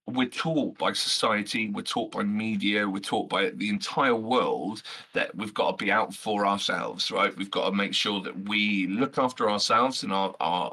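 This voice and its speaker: A man, a loud and brash podcast guest talking passionately with lots of fillers and some swearing. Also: fairly low pitch, breathy edge. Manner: animated, swears freely, many fillers. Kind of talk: passionate casual chat.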